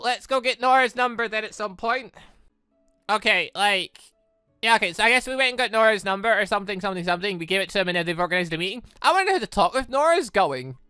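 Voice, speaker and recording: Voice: medium pitch, sharp tone, clear, resonant tone, no room sound, clean studio sound. A chatty gaming video creator rambling casually through a visual novel let's play, often getting side-tracked.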